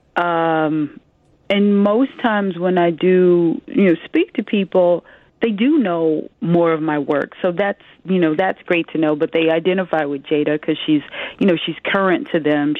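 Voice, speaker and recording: An ordinary speaking voice comes from a woman with an American accent and fairly low pitch. She talks at a fairly slow pace with ordinary pitch variation. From Omaha, Nebraska. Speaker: actress. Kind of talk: interview.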